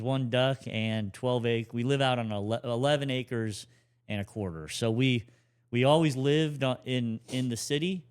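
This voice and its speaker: A man in his forties co-hosting a family podcast, talking in a relaxed, rambling way with restarts. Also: mid-range voice, smooth. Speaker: podcast co-host. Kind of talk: casual conversational talk.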